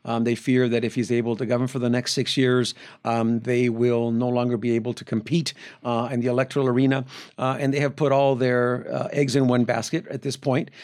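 A man from Venezuela talks as a guest professor on a podcast. He explains things carefully at an even, middling pitch. He often pauses on fillers and restarts his sentences. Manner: measured, explanatory, with frequent filler hesitations and restarts. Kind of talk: conversational interview answers.

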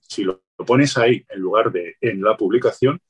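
A man speaking as an interview guest, explaining marketing tips in a relaxed, advice-giving way, often restarting his phrases. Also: lowish voice, moderate pace, husky. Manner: explanatory, many restarts and "pues". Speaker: guest, LinkedIn sales consultant.

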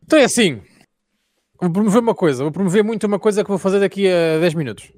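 A man's voice: high-pitched, fast, darkish tone, dry recording. A man with a European Portuguese accent, a guest streamer chatting casually and jokingly.

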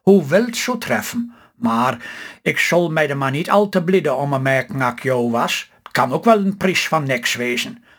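A man's voice: fairly high pitch, animated, normal speed, fairly bright tone. A man reading a grumbling, pessimistic rural husband in a dialect story, in Stellingwerf dialect. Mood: doubtful. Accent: Stellingwerf Low Saxon dialect. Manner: grumbling, gloomy.

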